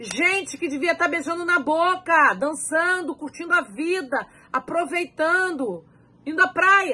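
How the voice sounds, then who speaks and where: A woman speaks in a raised, projected voice at an extremely high pitch with a bright, sharp tone. Her pace is fairly slow and her pitch varies in an ordinary way. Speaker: university lecturer. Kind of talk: lecture. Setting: online class video.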